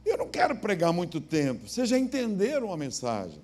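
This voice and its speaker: A middle-aged Brazilian pastor preaching a storytelling sermon in a church, acting out dialogue and sometimes shouting. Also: male voice, high-pitched, wildly swooping pitch, brisk. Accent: Brazilian Portuguese, Minas Gerais. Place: church sanctuary.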